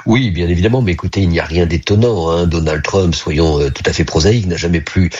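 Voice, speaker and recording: A man as an interview guest, giving measured political analysis with frequent hesitations and emphatic stresses. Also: low voice, a little mellow, husky, muffled recording. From United States. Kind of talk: live news interview commentary.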